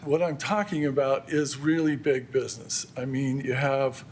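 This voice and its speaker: A man's voice: medium pitch, steady tone, moderate pace, a little hiss or hum. An American man giving an extemporaneous public comment at a council meeting. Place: council chamber.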